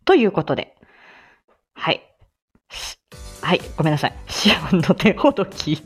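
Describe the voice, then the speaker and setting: Woman streamer chatting away, laughs a lot, lowish voice, quiet music behind. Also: big pitch swings, moderate pace, husky. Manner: chatty, laughs often, many fillers. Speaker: live stream host and voice actor. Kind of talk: casual live-stream chat reading viewer comments.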